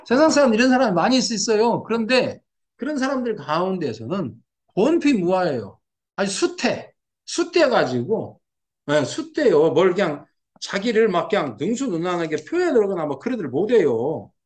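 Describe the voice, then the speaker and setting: Middle-aged guy teaching old texts, high voice bouncing all over, keeps repeating terms, acts stuff out. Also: moderate pace. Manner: explains terms repeatedly, acts out reactions with animated asides. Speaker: lecturer on classical fortune-telling texts. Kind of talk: explanatory lecture. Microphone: seen on camera.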